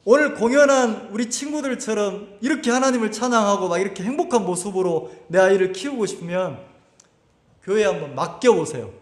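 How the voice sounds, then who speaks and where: A man's voice: high-pitched, animated, brisk. Man, pastor, sermon, rhetorical questions, echoey church hall. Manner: asks the congregation rhetorical questions and answers them; acts out quoted voices of churchgoers. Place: church hall at a summer camp.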